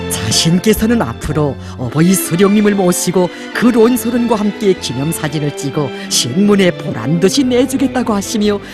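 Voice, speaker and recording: A woman's voice: medium pitch, big pitch swings, moderate pace, hardly any pauses. A woman with a North Korean accent delivering solemn scripted propaganda narration. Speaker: documentary narrator. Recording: music behind the narration.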